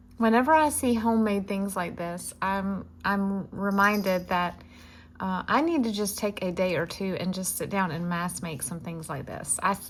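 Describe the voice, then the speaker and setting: A woman with a Southern US accent and ordinary pitch variation. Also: medium pitch for a woman, moderate pace. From US South. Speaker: craft YouTuber. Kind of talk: unboxing video.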